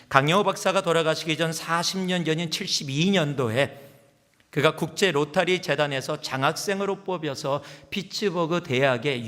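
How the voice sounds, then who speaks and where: A man's voice: a little high, a bit bright. A male pastor preaching a sermon, telling stories and acting out the people he quotes. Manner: storytelling preaching that acts out quoted speakers. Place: church sanctuary. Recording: long reverb of a large church hall.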